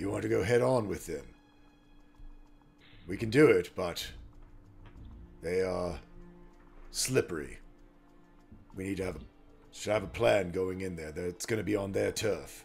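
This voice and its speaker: In a put-on character voice, a man speaks at a very deep, low pitch and a moderate pace, with lively intonation, long, frequent pauses and faint music in the background. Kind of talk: game master character voice. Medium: actual play. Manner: blunt, cautious, matter-of-fact.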